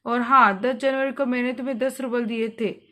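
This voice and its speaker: Strict bullying master of the house, voiced by a woman with a high voice, lectures sternly. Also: fairly even intonation, normal speed, sharp tone. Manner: lecturing, grows agitated and stammers. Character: stern scheming male employer, middle-aged, lecturing.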